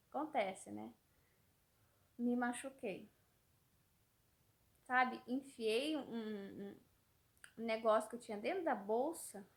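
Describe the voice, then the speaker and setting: Brief: Brazilian mother, 30s, casual vlog storyteller, high voice with a gravelly edge, rambling delivery. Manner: rambling, repeats words, trails off. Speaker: mother vlogger.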